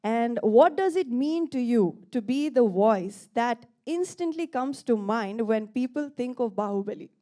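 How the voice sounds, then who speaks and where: A woman with a fairly high, mellow voice hosts a press event on stage. She introduces and thanks guests formally and effusively, always politely. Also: animated, a little slow, hardly any pauses. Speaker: event host. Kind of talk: formal compering.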